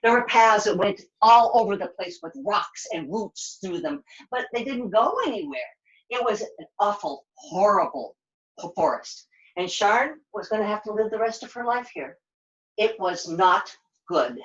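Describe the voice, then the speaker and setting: Female puppet-show storyteller: dramatic, emphatic, unhurried, very animated intonation, slightly dull live recording. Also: medium pitch.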